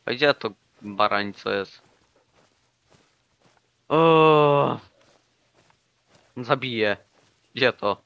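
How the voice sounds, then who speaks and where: A young man chatting casually and excitably while playing a hunting game with a friend. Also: on the low side, measured pace, no room sound, muffled recording. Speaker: gaming YouTuber. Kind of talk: casual co-op gameplay chat.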